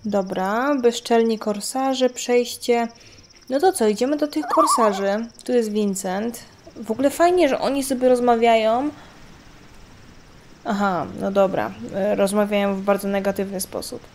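A woman's voice: mid-range voice, normal speed, slight background noise. A woman giving casual gameplay commentary as a let's player.

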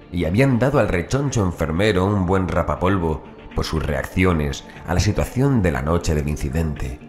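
A man reading a horror audiobook as narrator in a measured, phrase-by-phrase manner. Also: low-pitched, a little mellow.

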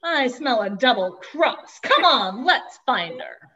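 A woman's voice: fairly high pitch, sing-song, slow pace, sharp tone, muffled recording, heavily acted. A woman playing a bossy jewel thief in disguise. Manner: salesman patter, bossy. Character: bossy jewel thief posing as knife salesman. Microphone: video call.

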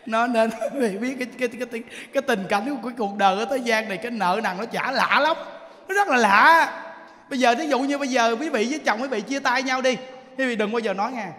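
A Southern Vietnamese monk preaches in a temple hall, his voice pitched notably high for a man. He spins lively anecdotes, fires rhetorical questions at the listeners and breaks into laughter. His words ring out with a long, lingering hall reverb. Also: fast. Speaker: Buddhist monk teacher. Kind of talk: dharma talk sermon.

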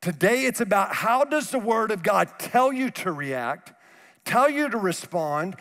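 This is a pastor in his thirties giving a sermon, moving animatedly around a large church stage and gesturing widely while his headset mic picks him up. For emphasis, he sinks into a quiet, low voice. The sound carries the reverb of the auditorium along with faint music.

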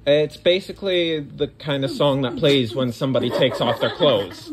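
A man's voice: medium pitch, normal speed. A man casually narrating his trip for a travel vlog, with dry, matter-of-fact remarks, recorded on a handheld phone. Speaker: vlogger. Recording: loud crowd and music behind.

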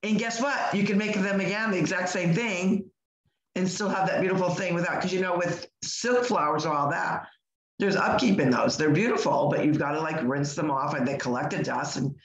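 An older woman with a hoarse voice co-hosting a live podcast, chatting in a rambling way with lots of restarts, over a video call from home. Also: lowish voice, a little fast, echoey room, lo-fi sound. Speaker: podcast co-host. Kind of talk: casual live podcast chat.

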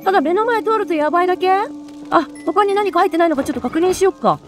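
Bubbly high-voiced woman streamer. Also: faint music behind. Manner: excitable, chatty, quick exclamations. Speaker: let's play streamer. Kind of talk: live gameplay commentary.

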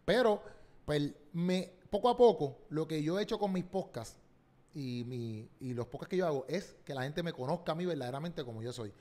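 A young man with a Puerto Rican accent, a Christian comedian chatting on a podcast in slangy, animated storytelling that acts out quotes. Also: fairly high pitch, normal speed. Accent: Puerto Rican Spanish. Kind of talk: casual podcast chat.

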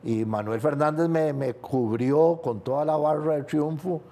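A man's voice: a little high, a little slow, warm tone. An older Costa Rican man telling his life story as an interview guest, candid and confessional, often laughing through painful memories. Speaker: guest, sports journalist.

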